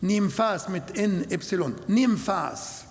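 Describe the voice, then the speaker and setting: A man whose first language is Arabic preaches in careful, halting German, his voice pitched high for a man. He speaks slowly and deliberately, and a long reverb trails after his words. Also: animated, gravelly. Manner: slow, halting German with non-native grammar. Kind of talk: sermon.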